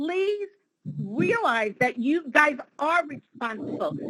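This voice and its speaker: A woman uses a raised, projected voice with a bright, sharp tone in a dry, close sound with no echo. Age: 70s. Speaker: public commenter. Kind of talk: public comment. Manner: animated.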